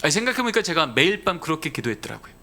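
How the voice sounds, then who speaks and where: A man's voice: a little high, big pitch swings, very fast, sharp tone. A man preaching a sermon in church, telling a personal family story and asking the congregation rhetorical questions. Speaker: guest preacher. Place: church sanctuary.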